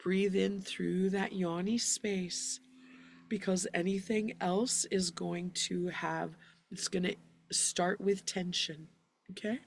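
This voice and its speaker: A woman teaching singing in a live online lesson, guiding breathing and relaxation in a gentle, encouraging way. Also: lowish voice, steady tone, slow, creaky, a little hiss or hum.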